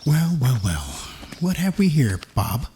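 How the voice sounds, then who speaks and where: An actor playing a gleefully menacing warden in an audio horror drama, with a theatrical, drawn-out, mocking delivery. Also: male voice, fairly high pitch, big pitch swings, warm tone, slight background noise. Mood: gloating, amused. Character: gleefully menacing male warden of a sinister facility.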